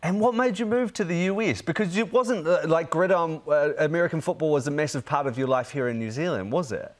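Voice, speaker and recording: A man in his thirties presents breakfast TV from a studio, conducting an interview in an upbeat, chatty way. He talks fast in a fairly high voice, picked up by a lapel mic.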